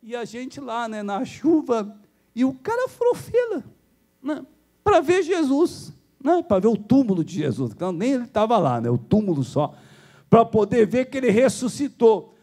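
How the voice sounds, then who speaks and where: A pastor with a Brazilian Portuguese accent preaches a sermon in church at normal speed. He tells stories, chuckling along the way, and his voice jumps high when he gets excited.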